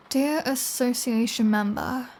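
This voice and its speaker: A woman's voice: fairly high pitch, a little mellow. A woman playing a flirty, playful vampire with a threatening edge, in a teasing, sardonic ASMR audio roleplay. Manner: teasing, sardonic, lingering delivery. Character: flirty, playful, threatening adult female vampire toying with a hunter. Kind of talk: scripted ASMR audio roleplay, one-sided conversation.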